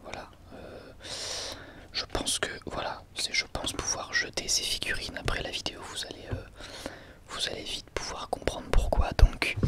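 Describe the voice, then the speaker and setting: Speaking in whispers, this ASMR host walks through a product with dry irony, keeping things casual, conversational and a bit hesitant.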